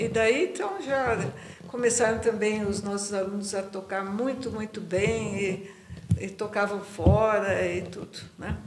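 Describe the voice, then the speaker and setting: A woman's fairly high voice at a fairly slow pace, ordinary pitch variation, noticeable background noise and audible room echo. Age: 80s+. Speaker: music school co-founder, interviewee. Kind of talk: press conference interview.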